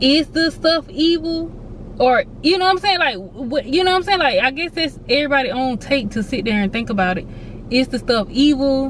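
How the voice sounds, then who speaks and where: This woman talks at a moderate pace in a high pitch with a Southern US accent and lively intonation. Noticeable background noise sits behind her. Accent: country Southern. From rural US South. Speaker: movie reviewer vlogger. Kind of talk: casual review vlog. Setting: filming herself on camera, indoors at dusk. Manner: trying to speak clearly on camera; conversational, animated.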